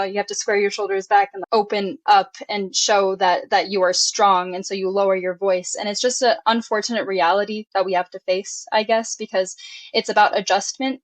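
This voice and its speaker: A woman's voice: mid-range voice, no echo, low-quality recording. Young female panelist, casual and rambling, dry recording. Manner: rambling, lots of fillers.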